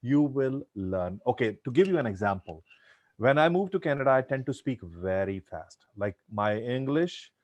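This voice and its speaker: A man's voice: medium pitch, big pitch swings, moderate pace, darkish tone, dry recording. A middle-aged man with an Indian accent and Punjabi as his first language, earnestly answering audience questions over a video call and often repeating himself. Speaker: guest speaker.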